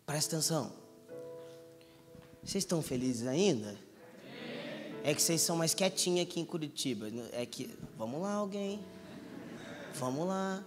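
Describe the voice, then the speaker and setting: A man preaching a sermon to a live church crowd, acting out the dialogue and teasing the audience. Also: sits high. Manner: animated, acts out dialogue, teases the crowd. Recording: echoey hall, light music underneath.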